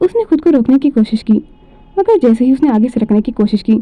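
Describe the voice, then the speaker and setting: The pace of this woman's speech is moderate. Her intonation is lively. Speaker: storyteller narrator. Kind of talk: romantic audio story narration.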